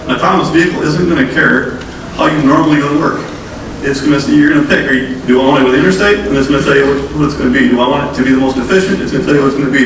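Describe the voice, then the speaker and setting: A man with a cold giving a folksy, direct talk and calling his listeners folks. He speaks at a brisk clip. The sound comes from a distance in a heavily echoing hall with audible noise. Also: on the high side. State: has a cold, losing his voice. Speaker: state transportation official. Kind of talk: conference presentation. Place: conference room. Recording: echoey hall, distant mic, noisy.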